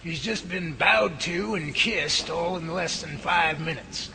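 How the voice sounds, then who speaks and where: An actor playing a research lab leader guiding a new team member around, explaining steadily. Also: male voice, fairly high pitch, takes it slowly, vocal fry, a crowd in the background. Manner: steady, explanatory tour guide. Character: Bigfoot lab head giving a tour. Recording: noisy home-made audio drama.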